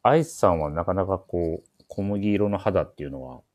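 Guy with a really deep voice hosting a clothing shop radio show, polite, kinda hesitant. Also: expressive, brisk, darkish tone. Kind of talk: casual radio-style talk introducing clothes.

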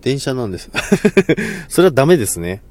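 A man's voice: mid-range voice, sing-song, a little fast, a little mellow. A man hosting a casual live stream, polite and self-deprecating, laughing often and stumbling over words.

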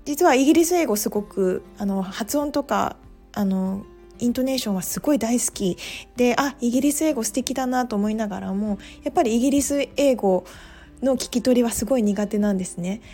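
A woman's voice: fairly high pitch, brisk, dark tone, faint music behind. A woman from Japan hosting a podcast, talking casually with lots of fillers and laughing at herself. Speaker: pharmacist and podcast host. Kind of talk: casual monologue.

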